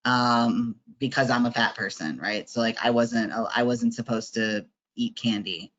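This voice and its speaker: A man's voice: mid-range voice, a little slow, fairly bright tone, lo-fi sound. A man facilitating an online workshop, talking conversationally with lots of fillers and tag questions.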